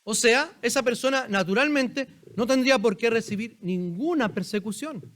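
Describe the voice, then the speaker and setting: A man with a Chilean accent delivers a sermon from the pulpit of a church. His voice sits high for a man, and he keeps it conversational, firing questions at the congregation. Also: moderate pace, fairly bright tone. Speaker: pastor. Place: church sanctuary.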